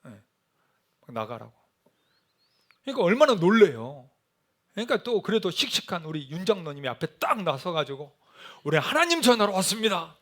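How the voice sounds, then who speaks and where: Middle-aged guy pastor preaching, high voice, acts out the shouty bits, super animated. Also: normal speed, long pauses. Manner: animated storytelling, acting out shouted quotes. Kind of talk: sermon.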